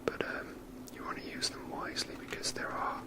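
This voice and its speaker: Someone whispering a casual, rambling, unhurried commentary while playing a video game, in a soft breathy ASMR style.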